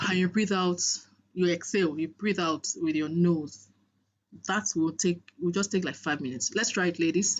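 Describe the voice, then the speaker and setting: A woman talks at a moderate pace with ordinary pitch variation and a fairly low pitch. She has an unremarkable speaking voice. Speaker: public speaking coach. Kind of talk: workshop presentation. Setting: live-streamed online meeting.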